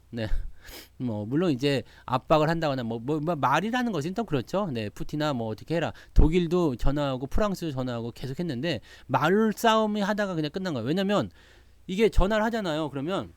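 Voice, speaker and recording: Lively-voiced Korean man chatting about markets. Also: on the high side, dry recording. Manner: chatty, acts out quoted voices, laughs often. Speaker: stock market YouTuber. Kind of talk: casual market commentary to live chat.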